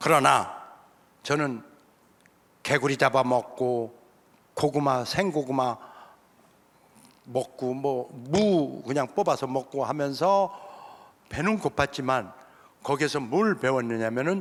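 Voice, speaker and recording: A man with a fairly high pitch and ordinary pitch variation speaks at a very slow pace. He leaves long, frequent pauses. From South Chungcheong, Korea (Cheongyang area). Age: 60s. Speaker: church elder and marketing lecturer. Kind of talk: motivational testimony talk. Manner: animated.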